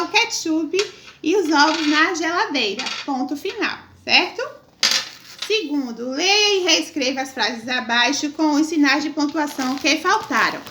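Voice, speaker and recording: High, bright-voiced woman teacher. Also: a little hiss or hum. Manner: affectionate, calls herself auntie, stretches words for children. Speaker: primary school teacher. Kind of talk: remote video lesson for young children.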